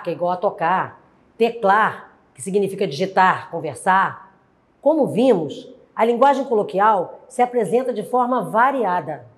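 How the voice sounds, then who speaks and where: A Brazilian woman teaching a grammar lesson, reading out examples slowly and deliberately. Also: medium pitch, darkish tone. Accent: Brazilian Portuguese. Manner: slow, deliberate, spelling out examples. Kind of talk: slow classroom lesson.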